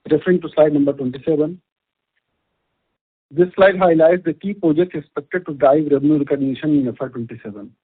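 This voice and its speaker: A man with an Indian accent reads a scripted corporate earnings presentation as a company executive, formal and measured, over a conference call line. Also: on the high side, slightly rough. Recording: muffled band-limited conference call audio.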